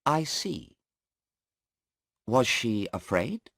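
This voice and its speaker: Guy doing a sharp insistent lawyer, voice jumps way up, slow and dry. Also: mid-range voice, very animated, vocal fry, no room sound, pitched above the performer's own voice, exaggerated voice. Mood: pressing. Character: defence lawyer, man, sharp and pressing.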